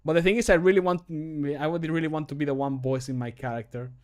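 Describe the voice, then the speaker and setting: A man's voice: on the high side, quick pace, clear, resonant tone. A man, around his thirties, chatting casually on a livestream while he works, self-deprecating and often muttering to himself. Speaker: game modder recording his own voice lines, streamer. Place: indoor room at a computer desk.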